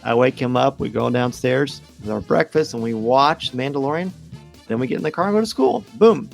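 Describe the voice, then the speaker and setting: Male podcast host, slightly creaky voice. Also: mid-range voice, lively intonation, a little fast, soft background music. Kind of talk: casual fan discussion.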